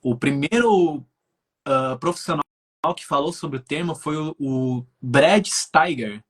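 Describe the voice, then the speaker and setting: Young man, slightly high voice, breathy and husky, explanatory live-stream talk, video call. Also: takes it slowly. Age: 20s. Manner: explanatory, thinks aloud with many filler tags. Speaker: guest speaker on spirituality.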